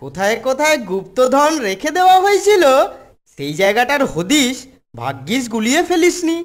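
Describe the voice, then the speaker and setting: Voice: sits high, wildly swooping pitch, moderate pace. A performer voicing a cheeky, plotting young schoolboy in a children's cartoon, playful and conspiratorial. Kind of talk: Bengali children's cartoon dubbing.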